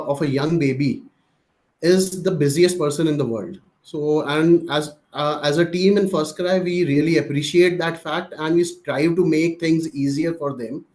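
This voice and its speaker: Higher-pitched Indian man presenting business results. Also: darkish tone. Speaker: company executive presenting. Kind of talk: business presentation on earnings call.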